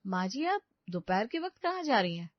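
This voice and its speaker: A young daughter-in-law in an animated family story, played by a woman, suspicious and aggrieved. She speaks high and complaining. Dry, slightly dull sound. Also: fairly quick, no echo.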